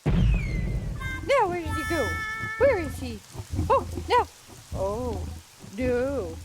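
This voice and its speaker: A woman voicing a fussy, excitable storybook monarch in a puppet show, bossy and full of exclamations. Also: sits high, extremely slow, very noisy, exaggerated voice. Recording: puppet show with music behind.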